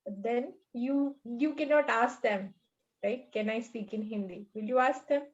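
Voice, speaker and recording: A woman's voice: fairly high pitch, a little slow, dull audio. A woman with an Indian English accent, a native Marathi speaker, running a job interview over a video call in a firm, coaching manner. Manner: firm, coaching, lecturing tone with repeated checks.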